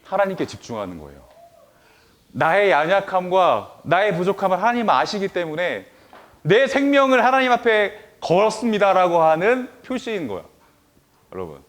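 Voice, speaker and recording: A man, a pastor, giving an animated children's sermon, asking listeners questions and often trailing off softly at the ends of phrases. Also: sits high, normal speed. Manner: animated, many rhetorical questions, addresses listeners directly.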